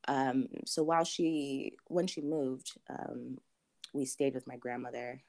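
A young adult woman from Zambia, answering interview questions thoughtfully with many pauses and ums. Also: very deep voice, fairly even intonation, darkish tone. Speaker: interview guest.

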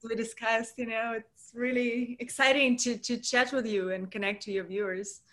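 A woman's voice: on the high side, fairly even intonation, moderate pace, a bit bright. A woman in her thirties from Russia, a podcast guest chatting casually over a video call from home, with lots of fillers and frequent laughs. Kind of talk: casual interview chat.

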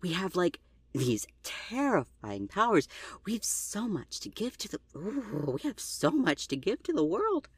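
A woman's voice: medium pitch, sing-song, measured pace, slightly rough, no room sound. A woman playing an anxious, sincere young driver in an audio drama, speaking hesitantly and naturally. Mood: excited. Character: earnest anxious young magical driver, college-bound.

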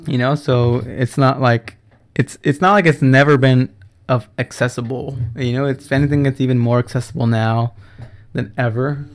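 A man's voice: medium pitch, steady tone, normal speed. A man around twenty hosting a solo podcast, talking in a rambling, profane way, often correcting himself and laughing. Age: 20s. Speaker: podcast host. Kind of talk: casual solo podcast monologue.

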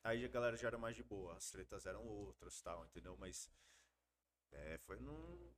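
A man from Brazil telling stories from his youth in a casual podcast chat, slangy and animated. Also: on the low side, normal speed. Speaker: podcast guest.

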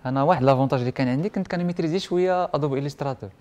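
The audio is dull, and the speaker, a young man with a slightly high, a little mellow voice, talks at a racing pace. He is a printing and IT technician being interviewed, recounting his story casually in a Moroccan Arabic accent while weaving in French words and quoted lines.

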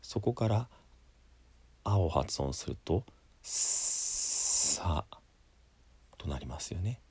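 A Buddhist priest, a man, who chants and then gives a slow, measured spoken lesson with frequent pauses and fillers. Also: sits low, expressive, warm tone, breathy edge. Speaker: Buddhist priest teaching pronunciation.

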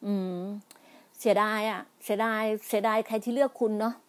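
A woman's voice: a little high, steady tone, moderate pace. A middle-aged woman speaking in a heated political monologue, scolding and pleading by turns, with many restarts and repetitions. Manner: emphatic, scolding, repeats herself with many restarts; polite particles, pleading then indignant.

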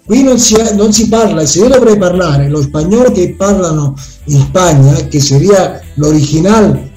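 A man's voice: sits high, animated, normal speed, mellow. A man in a casual interview, talking animatedly and mixing languages mid-sentence. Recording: echoey room, faint music.

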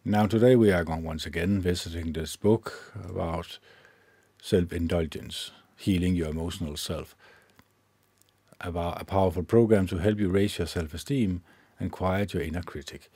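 A man hosting his own podcast, reading a self-help book aloud in a measured way, with occasional slips he corrects himself. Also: low voice, fairly even intonation, dark tone, slightly rough, no echo. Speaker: podcast host. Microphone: own microphone with gain up and low cut filter.

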